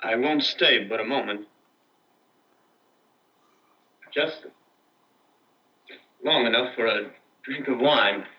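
Actor voicing a weary wounded male stranger, 1960s TV drama, soft earnest voice, distant, muffled, faint hiss. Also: medium pitch, unhurried, close to an everyday voice. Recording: dull old TV audio with faint hiss.

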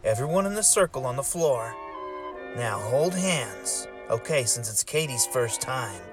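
A woman's voice: extremely low pitch, animated, measured pace, over music. A woman playing a bossy young friend who leads an occult game in a horror audio drama. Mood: commanding, eerie.

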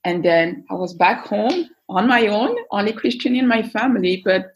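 Woman from belgium telling her story, earnest, lots of pauses and uhs. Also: medium pitch, slight background noise, rough recording. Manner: earnest, thoughtful, with frequent pauses and fillers. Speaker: interview guest. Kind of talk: casual personal storytelling.

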